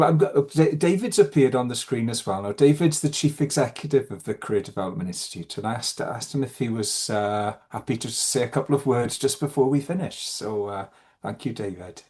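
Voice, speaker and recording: A man from Wales wraps up an online forum in a mid-pitched voice. He talks in halting bursts, full of fillers and restarts. The sound is a video call. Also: darkish tone, slightly rough. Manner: hesitant, many fillers and restarts. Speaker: forum chair. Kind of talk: online meeting chat.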